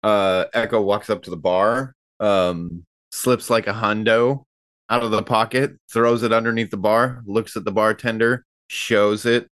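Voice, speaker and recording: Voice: mid-range voice, steady tone, a little slow, a bit bright, no room sound. A tabletop game player casually describing a character's actions in a laconic, informal way.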